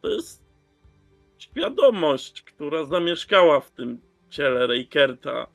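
A man's voice: a little high, big pitch swings, slow pace, creaky, no echo, highs cut off. A man in his thirties, a player in a tabletop roleplaying game, telling what his character does and thinks. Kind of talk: slow in-game storytelling. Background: music.

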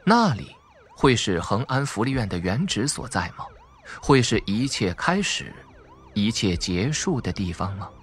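A man narrates a suspense novel in a fairly low voice. His intonation is highly animated, shaped for dramatic scripted storytelling. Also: unhurried. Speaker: audiobook narrator.

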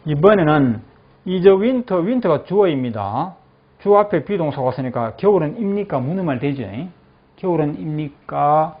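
A male English teacher leads a classroom drill in a fairly high, animated voice. He says each phrase slowly, explains it, and keeps checking that the class follows. The recording sounds dull and lo-fi. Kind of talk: classroom lecture with repeat-after-me drills.

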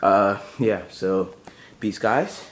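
A man's voice: on the low side, drawn-out words, fairly bright tone, a little hiss or hum. A young man in a casual home vlog, just woken up with a groggy morning voice, rambling and hesitant with many fillers, talking from his bedroom into a camera mic. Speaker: channel owner.

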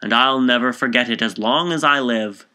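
A man's voice: mid-range voice, normal speed, pushed and bright. A man voicing an earnest, opinionated middle-aged man in an audiobook, talking in a colloquial, exclamatory way. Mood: blustering reminiscence.

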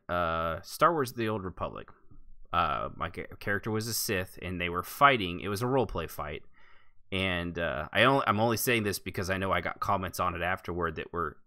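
A man's voice: fairly low pitch, pushed and bright. A man hosting a casual roleplay gaming podcast, rambling and joking, often laughing as he talks. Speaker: podcast host.

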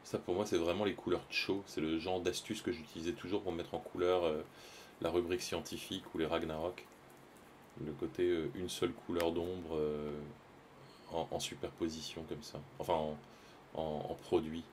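A man's voice: deep voice, little pitch movement, normal speed, a little mellow, slight background noise. A man, chatting casually and hesitantly with his stream viewers while he draws live, full of fillers and restarts.

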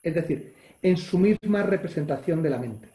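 Spanish-male coach, online webinar, energetic and demonstrative, warm mellow tone, roomy echo over a video call. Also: on the high side, moderate pace. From Spain. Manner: energetic, acts out gestures and exclamations, reads chat questions aloud. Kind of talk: live online leadership webinar.

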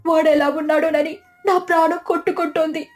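A woman's voice: very high-pitched, little pitch movement, a little fast, a little mellow, voice pushed up. A woman voicing a devout, worried mother in a moral story, fretful and pleading. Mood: anxious, pleading. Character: anxious rich man's wife, devout, worried mother. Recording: music behind the voice.

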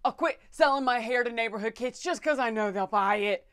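A woman's voice: fairly high pitch, a little fast, fairly bright tone. A woman playing a hard-living, trashy bartender, pleading desperately in lists in a comedy monologue.

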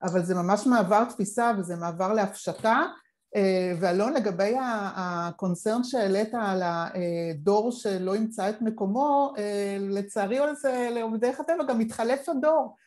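Over a video call from her living room, a woman takes part in an online panel discussion, thinking aloud in a reflective, expansive way. Her voice is medium-pitched and slightly mellow.

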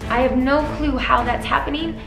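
A woman's voice: high-pitched, fairly even intonation, normal speed, gravelly, far from the mic. A woman in her thirties vlogging nervously to viewers on a handheld camera, indoors and in a car. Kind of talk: excited vlog chatter. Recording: echoey room with music.

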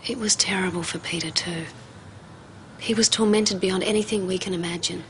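A woman playing a calm psychiatrist, low-voiced. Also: close to an everyday voice. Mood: measured, gentle. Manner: calm, measured, explaining patiently. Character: calm, measured female psychiatrist, middle-aged. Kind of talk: television drama acting. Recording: noisy TV soundtrack.

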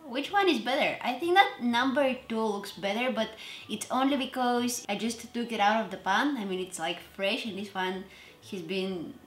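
A woman's voice: a little high, normal speed, a bit bright, reverberant. A woman with a manner, chatting casually and self-deprecatingly while cooking for a vlog. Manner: chatty, self-deprecating, trails off mid-sentence. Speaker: cooking vlogger. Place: home kitchen.

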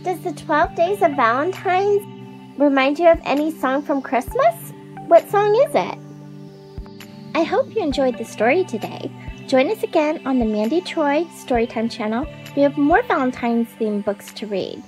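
A woman hosting a children's storytime, speaking simply and deliberately as she reads aloud for young listeners. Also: sits high, sing-song, darkish tone, rough recording. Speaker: children's read-aloud storytime host, teacher. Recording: music behind the voice.

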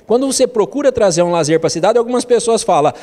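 Man, Brazilian accent, fifties, high-pitched voice, mayor explaining in an interview, reverberant room. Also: expressive, fast, mellow. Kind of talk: TV interview answers. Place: indoor room. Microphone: handheld interview microphone.

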